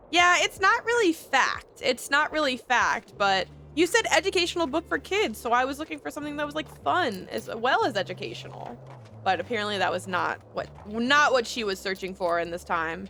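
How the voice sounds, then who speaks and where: A woman speaks in an animated tone at a moderate pace, with noticeable background noise behind her. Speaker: streamer. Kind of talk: casual chat.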